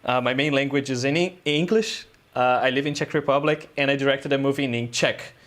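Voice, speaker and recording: A man's voice: medium pitch, brisk, a bit bright. A man, a guest filmmaker telling a story in a casual interview, rambling loosely with lots of "uh" and "um". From Brazil.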